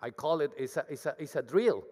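A man with a thick Mexican accent preaches to a congregation in a humble, self-deprecating way, talking with them rather than at them. His voice sits a bit high for a man. The sound carries a long church-hall reverb. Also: animated, fairly quick, a little mellow. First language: Spanish. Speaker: guest preacher. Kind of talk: sermon.

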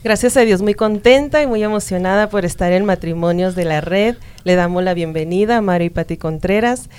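A female co-host on a Christian radio program, greeting and welcoming the guests. Her voice is smooth and resonant, and her phrasing is devout. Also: mid-range voice, brisk, darkish tone.

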